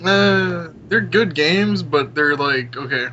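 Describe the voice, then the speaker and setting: A man on a podcast panel chats casually, blunt and irreverent, with some swearing. His voice is on the high side, animated, bright and forceful, though he speaks slowly. It comes through dull lo-fi voice chat with noise.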